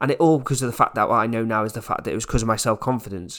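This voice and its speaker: With an English accent, a man talks at medium pitch with ordinary pitch variation. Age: 30s. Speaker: personal trainer. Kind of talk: solo podcast monologue. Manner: halting.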